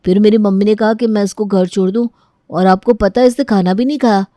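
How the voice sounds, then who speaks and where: A woman's voice: medium pitch, steady tone, fairly quick, warm tone, no room sound, clean studio sound, lightly acted. A woman voicing a chatty older boy in a storybook tale, explaining things in a telling-on tone. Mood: tattling.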